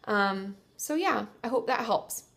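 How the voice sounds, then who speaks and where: A woman's voice: fairly high pitch, expressive, measured pace, gravelly, fairly bright tone. A young woman therapist with a congested, stuffy nose, giving chatty, reassuring advice to viewers and correcting herself as she goes. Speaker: therapist answering viewer questions. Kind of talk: casual advice vlog.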